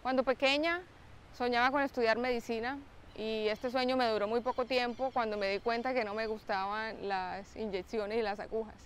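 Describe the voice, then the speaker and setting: A young woman, a biomedical engineer, speaking to camera outdoors in a clear, explanatory way with occasional "eh" fillers. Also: on the high side, fairly even intonation, moderate pace, a little hiss or hum. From Colombia. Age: young adult. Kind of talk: to-camera interview. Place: outdoors by a lake with trees. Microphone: close mic, framed head-on.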